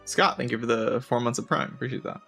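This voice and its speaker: A man livestreaming a game and chatting casually, with heavy vocal fry, a low-energy hesitant delivery and a voice strained by a lingering cough. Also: fast talker, a bit bright, soft background music. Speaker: game streamer. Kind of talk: casual livestream chat while playing a game.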